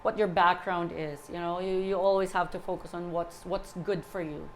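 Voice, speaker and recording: A woman in her forties, a guest in casual chat, talking in a halting way with repeated words and many "you know"s. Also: on the low side, steady tone, slight background noise, rough recording. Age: 40s.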